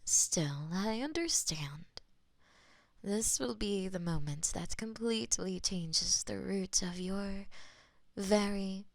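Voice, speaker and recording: Woman voicing a slow, breathy, possessive death goddess. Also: mid-range voice, no room sound. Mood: intimate, reassuring. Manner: slow, breathy, theatrical, often dropping to whispers. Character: possessive, lovestruck goddess of death, triumphant and tender. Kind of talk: intimate romantic audio roleplay.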